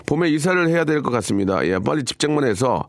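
Lively chatty male radio host. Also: medium pitch, fast talker, no room sound. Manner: chatty, animated, reading listener texts aloud. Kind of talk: live radio call-in chat. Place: radio studio.

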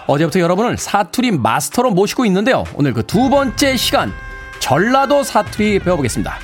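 A male radio DJ in the studio, talking in a playful way and laughing often. His voice sits a little high and swings lively up and down. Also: brisk, soft background music. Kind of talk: radio show hosting. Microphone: studio microphone.

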